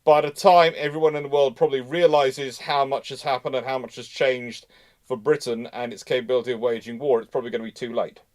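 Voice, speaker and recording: A man with a medium-pitched voice hosts a live history discussion. He explains things in a discursive, informal way, halting mid-thought before carrying on. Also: fairly even intonation. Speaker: host of a live naval history show. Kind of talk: live question-and-answer talk with informal commentary.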